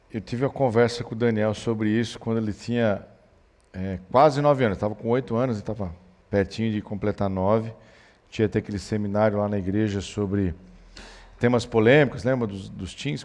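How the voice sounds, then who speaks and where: A man's voice: on the low side, normal speed. A man, a pastor telling a family story in a church talk on parenting. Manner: storytelling, animated when quoting his son.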